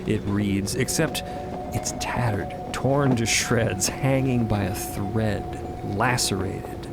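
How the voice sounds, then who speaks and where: A man's voice: fairly low pitch, slow pace, creaky. A man co-narrating a fiction podcast in a wry, conversational, emphatic way. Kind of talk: playful improvised-sounding story narration. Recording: loud music bed under narration.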